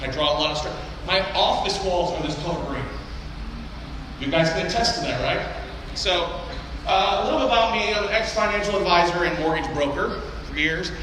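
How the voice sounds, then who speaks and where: Loud joking man on a conference stage. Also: high-pitched, a little fast. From Texas. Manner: loud, joking and brash, swears casually. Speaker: seminar speaker. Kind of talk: live seminar talk to an audience. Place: large conference hall. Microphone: handheld or stage mic through PA. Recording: echoey hall, noisy room.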